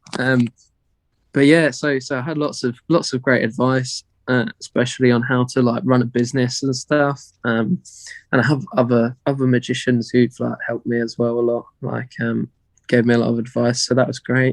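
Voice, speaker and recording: A man with a British accent, medium pitch, a moderate pace and fairly even intonation, in a dry, close sound with no echo. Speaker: professional magician. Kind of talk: podcast interview. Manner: hesitant, many fillers.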